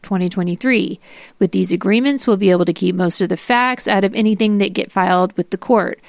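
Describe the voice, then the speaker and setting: A woman's voice: mid-range voice, no room sound, clean studio sound. A woman co-hosting a podcast, reading documents aloud and explaining them. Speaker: podcast co-host.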